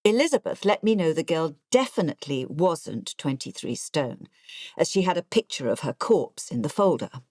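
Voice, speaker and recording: Audiobook narrator: elderly English ex-nurse, artless and confiding, low register, lively inflection, dry close sound. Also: female voice, moderate pace, dry recording. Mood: confiding, digressive. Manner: confiding, digressive, matter-of-fact. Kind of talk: audiobook first-person narration.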